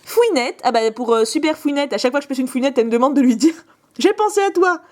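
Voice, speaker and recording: A young woman with a fairly high voice chats casually to her viewers as she opens fan mail. She gushes over each item with quick exclamations and little asides to the camera. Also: fairly even intonation, warm tone. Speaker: vlogger opening fan mail. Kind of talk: casual unboxing chat.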